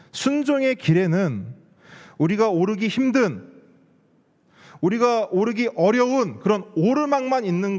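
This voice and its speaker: A male pastor delivers a sermon in a fairly high, very animated voice. He poses questions to the congregation and drives key words home by repeating them. His voice rings through a large hall with long reverb. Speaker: pastor preaching at a church service.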